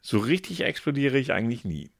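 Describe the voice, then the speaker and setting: Man, casual podcast host, reading quiz options aloud, animated voice, dry close mic. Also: mid-range voice, brisk, creaky, no echo. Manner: reads answer options aloud in a lively, playful tone.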